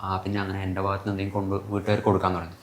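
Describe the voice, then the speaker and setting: A man's voice: low voice, monotone, very fast. A nineteen-year-old man, a vlogger answering interview questions in rambling, self-correcting sentences with many fillers. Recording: echoey room with faint background noise.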